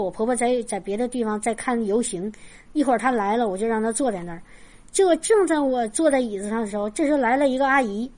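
Woman telling her faith story with animation. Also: on the high side. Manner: lively retelling with restarts and laughs; acts out quoted dialogue. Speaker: Christian speaker sharing a testimony. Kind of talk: personal storytelling, casual.

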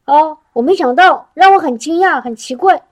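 A woman preaching a sermon in an animated, exclamatory way, often repeating words and laughing between phrases. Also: high-pitched, normal speed.

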